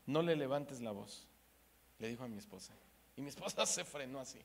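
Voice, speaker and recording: A man from Mexico preaches a sermon, alternating between loud emphasis and hushed asides and acting out the voices of people in his stories. His medium-pitched voice is expressive, gravelly and fairly quick.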